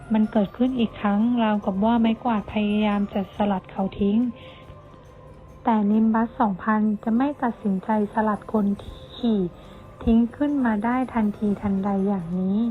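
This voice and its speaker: Woman reading a story out loud, lively, does little voices, tinny phone-like sound, faint music behind. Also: mid-range voice. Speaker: audiobook reader.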